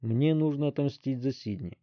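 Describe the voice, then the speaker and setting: A man's voice: mid-range voice, moderate pace, no room sound, lightly acted. A man voicing a tough, cynical police chief who speaks curtly and bluntly in an audiobook story, on a dry, slightly dull recording. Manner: curt, hard, blunt.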